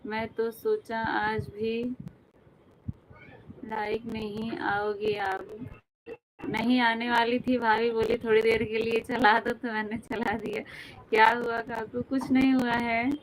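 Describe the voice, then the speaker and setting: A young woman hosts a live stream from her phone, reading comments aloud and laughing easily. Her voice sits a little high and stays fairly level, and she talks unhurriedly. A faint room hum lies under her voice. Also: flat delivery, takes it slowly. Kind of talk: casual live chat with viewers.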